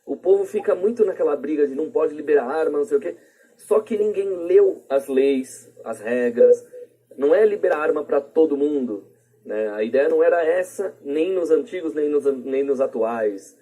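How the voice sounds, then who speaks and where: Husky, bright-voiced Brazilian man. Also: fairly high pitch, lively intonation, moderate pace, poor audio. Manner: colloquial, rambling, peppered with tag questions. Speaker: podcast guest. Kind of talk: casual opinion talk. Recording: plain podcast voice recording.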